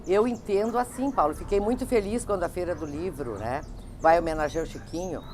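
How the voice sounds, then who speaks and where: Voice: medium pitch, fairly quick, darkish tone. Earnest teacher, interview, faint outdoor hiss. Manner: earnest, reciting verses from memory. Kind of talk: documentary interview.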